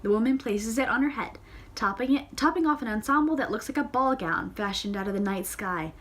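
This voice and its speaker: A woman's voice: on the high side, lively intonation, fairly quick, fairly bright tone. A woman reads a novel aloud in a casual way. She often stumbles and corrects herself, and she adds playful side comments of her own. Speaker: audiobook reader.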